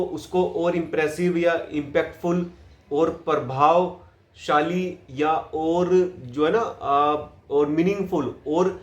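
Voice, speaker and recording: Male acting coach, slightly high voice, unhurried explanatory delivery, roomy echo. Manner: slow, deliberate, repeats lines with varied pauses and stress. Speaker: acting teacher. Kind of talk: acting lesson.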